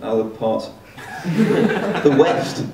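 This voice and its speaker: Deadpan Essex comedian in a roomy hall. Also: male voice, lowish voice, very slow, vocal fry. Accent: Essex English. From Essex, England. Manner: deadpan, wry storytelling with hesitant fillers. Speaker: stand-up comedian. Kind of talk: stand-up comedy routine. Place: student comedy event hall with audience. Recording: roomy, distant amateur recording with noise.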